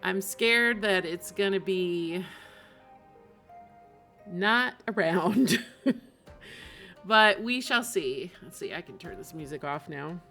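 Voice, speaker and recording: A woman's voice: on the low side, animated, slow pace, creaky, long pauses, pushed and bright, soft background music. A woman game streamer chatting casually and talkatively to her live audience. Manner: chatty, often laughs while talking.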